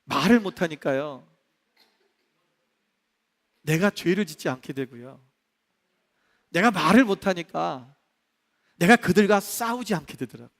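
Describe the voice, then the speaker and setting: A male pastor preaching a sermon in a church, animated, acting out the voices he quotes. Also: sits high, measured pace, pauses often. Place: church sanctuary. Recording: long reverb of a church hall.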